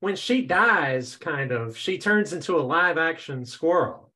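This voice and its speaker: Wry, joking man with a higher voice. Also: animated, unhurried, pushed and bright. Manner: joking and wry, often laughing. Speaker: podcast guest. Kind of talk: casual chat recapping a cartoon episode.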